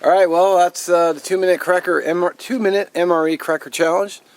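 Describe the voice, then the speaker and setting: A man's voice: high-pitched, fairly even intonation, fairly quick, no room sound. A man hosting a challenge video, chatting casually to viewers. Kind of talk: casual vlog chat. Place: outdoors.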